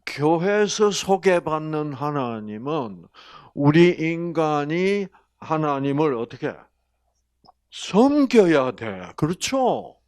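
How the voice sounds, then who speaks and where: An older man with a Gyeongsang Korean accent giving a health lecture, folksy and animated, full of rhetorical questions. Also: a little high, slow, clean tone, no echo, studio quality. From Gyeongsang region, Korea.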